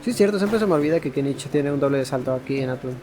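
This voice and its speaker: A man's voice: medium pitch, expressive, very fast. A man with a Mexican accent giving casual commentary as he plays a video game. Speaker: gamer narrating his playthrough. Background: game music.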